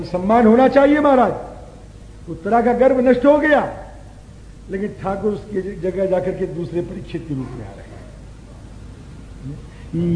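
High-voiced man preaching in an echoey hall. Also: warm tone, slight background noise. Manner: recites Sanskrit verses slowly in a chanting tone; emphatic, repeats phrases for effect. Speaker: preacher giving a scripture discourse. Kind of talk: devotional sermon.

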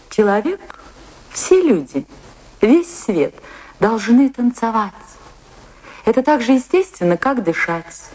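A passionate woman dancer looking back on her life in a radio play. Her delivery is slow and deliberate, with sweeping intonation. She speaks expressively, dreamy one moment and ardent the next. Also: fairly high pitch, low-quality recording. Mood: impassioned. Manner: expressive, dramatic, deliberate pauses. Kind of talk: theatrical Russian radio drama, monologue and dialogue.

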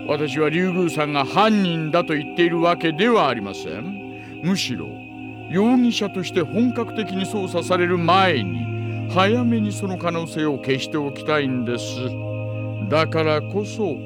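A wily middle-aged police detective for an audio drama. His voice sits slightly high and swoops around with oily, formal politeness, over background music. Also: very animated, a little slow. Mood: placating. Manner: unctuously polite, insinuating, chuckling formality. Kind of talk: Japanese audio drama acting.

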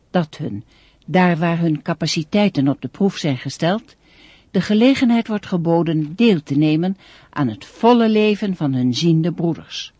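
Elderly female speaker, radio play, solemn measured oratory, very dry acoustic. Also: on the low side, dark tone, breathy edge, no echo. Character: elderly deafblind woman giving an impassioned, dignified speech. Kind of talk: formal ceremonial speech in radio drama.

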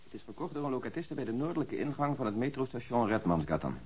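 Fast, husky, exacting police detective. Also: male voice, mid-range voice, big pitch swings. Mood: precise. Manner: factual, exact. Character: brisk, methodical, precise male police detective. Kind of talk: naturalistic Dutch radio drama acting.

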